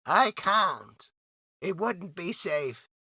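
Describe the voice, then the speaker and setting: Guy reading as a hungry scared castaway, slow halting pleading voice, high and thin. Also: expressive, bright, forceful tone, slightly rough, no room sound, studio quality, exaggerated voice. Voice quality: hopeless, pathetic, hesitant. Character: desperate hungry man in a rowboat, hiding. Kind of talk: storybook reading.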